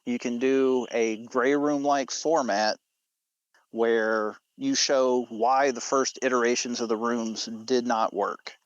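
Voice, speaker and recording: A man's voice: medium pitch, steady tone, takes it slowly, smooth, no echo, dull audio. A man speaking casually as a podcast guest. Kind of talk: casual chat.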